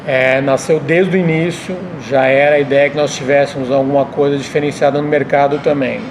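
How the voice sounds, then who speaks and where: A middle-aged man, speaking as a restaurant owner, answers interview questions and explains things in a measured way. His voice sits at a medium pitch with fairly even intonation, and faint room noise lies underneath.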